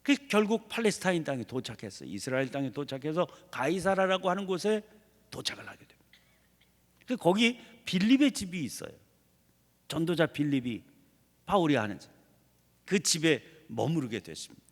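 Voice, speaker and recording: A man's voice: on the high side, expressive, normal speed, big-room sound. A man preaching an early morning prayer sermon in a church, acting out imagined prayers as he teaches. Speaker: pastor. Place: church sanctuary.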